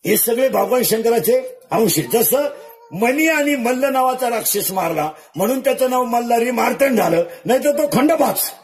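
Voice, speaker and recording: A man's voice: very high-pitched, animated, moderate pace. A man preaching a comic devotional sermon, peppering a live audience with jokes and rhetorical questions. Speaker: kirtan preacher. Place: live gathering before an audience. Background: crowd of listeners.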